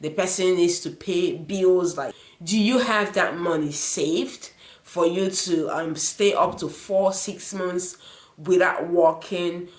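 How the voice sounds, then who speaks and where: A woman's voice: fairly low pitch, reverberant. A woman vlogger giving earnest immigration advice, repeating points, with many fillers and a first language other than English. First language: not English. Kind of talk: advice vlog to the camera.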